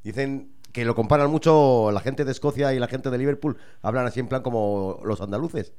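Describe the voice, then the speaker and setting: Spanish male co-host, curious and talkative, clean smooth tone. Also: mid-range voice, brisk, darkish tone. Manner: curious, chatty, asks questions. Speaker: radio show co-host. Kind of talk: casual radio chat.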